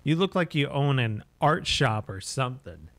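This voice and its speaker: A man's voice: mid-range voice, sing-song, moderate pace, fairly bright tone, no room sound. Casual, musing man commenting on a game. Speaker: streamer playing a horror game. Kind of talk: casual gameplay commentary and reaction.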